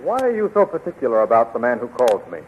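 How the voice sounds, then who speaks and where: An actor playing a heroic, earnest young space adventurer, eager and declamatory, in a 1930s radio serial on an old recording. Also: male voice, medium pitch, very animated, fast talker, darkish tone, slight background noise, lightly acted, poor audio. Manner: eager, declamatory, puzzled and sincere.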